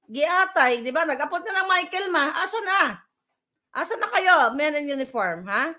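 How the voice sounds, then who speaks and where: A woman's voice: high voice, lively intonation, normal speed, sharp tone. A woman, vlogging from home in a combative, scornful political rant that mixes in English.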